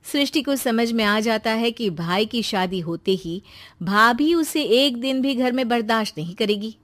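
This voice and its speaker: A woman narrating a cartoon story in a plain, steady storytelling voice. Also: on the high side, unhurried, slight background noise.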